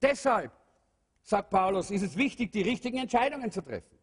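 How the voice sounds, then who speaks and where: A man with a husky, breathy voice preaches a sermon to his congregation. He speaks earnestly and asks many rhetorical questions. A long reverb from the church hall hangs on every phrase. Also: high voice, sing-song, brisk. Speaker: pastor.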